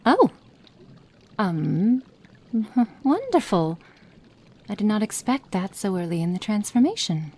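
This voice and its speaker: Heavily acted and clinical in mood, this woman's portrayal of a cruel, cold witch probing a captive in an ASMR roleplay sounds curious as well as menacing. Her medium-pitched, breathy voice swings widely in pitch, moving slowly and slipping into soft whispers.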